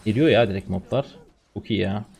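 A man in his twenties from Turkey, streaming a game and commenting on his play, swinging from low muttering to loud excited outbursts. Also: a little fast, gravelly, breathy edge. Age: 20s. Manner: swings from muttering to shouting and laughing.

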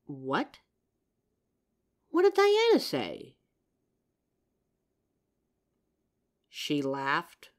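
A woman acts out a protective, affectionate girlfriend in an intimate audio roleplay. She takes her time over the words, and her pitch moves in lively swings. The manner is tender, earnest and a little teasing. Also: extremely slow, heavily acted. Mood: earnest, probing. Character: loving, protective girlfriend reassuring her partner. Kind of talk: intimate comfort roleplay, ASMR acting.

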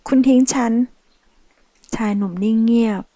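Woman doing defiant tearful young woman, high strained voice, mellow tone, audiobook. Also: steady tone, moderate pace, no echo, lightly acted. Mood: bitter pleading. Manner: pleading and shrill, raised and pressed. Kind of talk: audiobook character reading.

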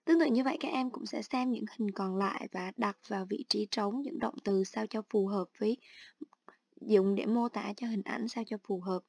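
A woman teacher calmly explaining an online English exercise step by step. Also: mid-range voice, moderate pace, vocal fry, no room sound, clean studio sound. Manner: steady instructional, explains each step. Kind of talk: online lesson narration.

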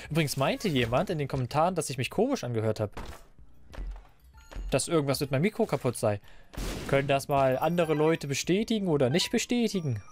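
A man doing casual, rambling commentary while playing a game, a little hoarse and stuffy, into a desk microphone. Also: a little high, very animated, brisk, a little mellow, soft background music. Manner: chatty, rambling, self-mocking. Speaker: let's player.

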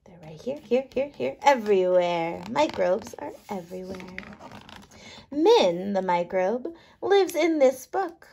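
A woman kindergarten teacher reading a picture book aloud, playful and expressive, leaning on key words. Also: medium pitch, slow pace, creaky, a little hiss or hum.

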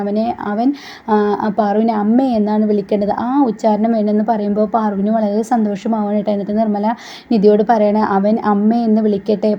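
A woman host chattily retelling a TV serial's plot with frequent fillers, on a dull lo-fi recording. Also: medium pitch. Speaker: channel host.

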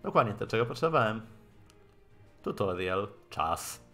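A man with a fairly low voice streams a game over faint background music. He reads the dialogue out in a halting way and drops in wry asides as he goes. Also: sing-song, bright, forceful tone. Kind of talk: live game stream, reading dialogue aloud and commenting.

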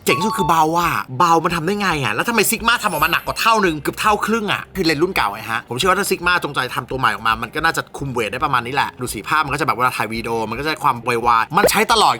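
A young man reviews a camera lens in a fast, chatty, excitable rush, swearing casually as he goes. His voice sits a little high for a man, and music plays clearly under him. He keeps it loose and informal throughout.

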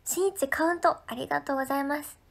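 High-voiced Ehime woman chatting with viewers. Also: steady tone, racing. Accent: Ehime Japanese. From Ehime, Japan. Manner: chatty and friendly, often slipping into soft breathy asides. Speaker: livestreamer. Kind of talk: casual livestream chat, reading viewer comments.

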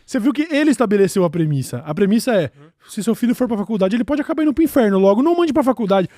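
Brazilian male host, high but mellow voice, dry close mic, blunt sarcastic banter. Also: sing-song, very fast, no room sound. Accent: Brazilian Portuguese. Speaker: podcast host. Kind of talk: casual comedic commentary.

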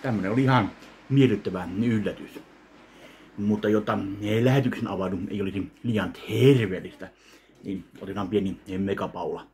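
A man in his thirties opening fan mail in his kitchen in a casual vlog, commenting slowly with wry self-mockery into a webcam. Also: on the low side, darkish tone, slight background noise. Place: home kitchen, indoors. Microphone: webcam in front of him.

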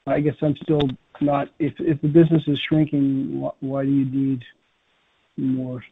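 Analyst guy rambling his question, husky, sounds like a phone. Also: mid-range voice, monotone, a little slow. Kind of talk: conference call question. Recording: tinny phone line.

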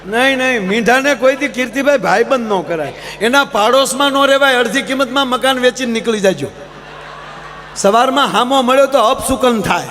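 A man's voice: very high-pitched, brisk, fairly bright tone. A man telling folksy humorous stories on a live stage, often addressing the audience as sir. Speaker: folk comedian. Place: large live stage program. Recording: reverberant live hall, faint mains hum.

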